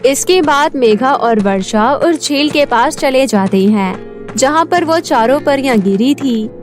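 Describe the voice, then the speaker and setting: A woman's voice: sits high, expressive, measured pace, faint music behind. A woman reading scripted narration for a children's cartoon story.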